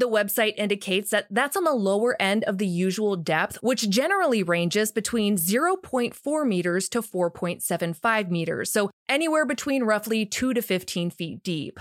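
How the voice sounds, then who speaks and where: In an American accent, a woman with an ordinary speaking voice talks at a moderate pace with hardly any pauses. Her fairly high pitch rises and falls with lively intonation, in a dry, close sound with no echo. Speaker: true crime podcast host. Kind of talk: scripted narration.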